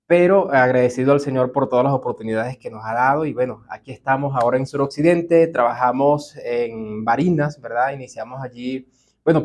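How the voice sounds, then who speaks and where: A middle-aged man with a Venezuelan accent speaks as the guest on a church podcast. His talk is unhurried and reflective, full of small fillers and tag questions. His pitch sits at an average height for a man. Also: a little mellow. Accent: Venezuelan Spanish. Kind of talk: relaxed podcast interview.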